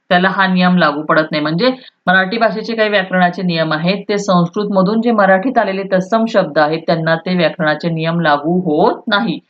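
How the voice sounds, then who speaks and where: A woman's voice: medium pitch, fairly bright tone, lo-fi sound. A woman teaching a school Marathi lesson, explaining step by step, repeating key terms and asking if students follow, sometimes restating points in Hindi.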